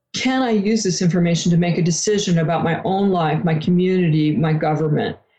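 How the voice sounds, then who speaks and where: A woman's medium-pitched, somewhat breathy voice with a dark, mellow tone, ordinary pitch variation and an American accent. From California. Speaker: journalist. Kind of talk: interview. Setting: remote call.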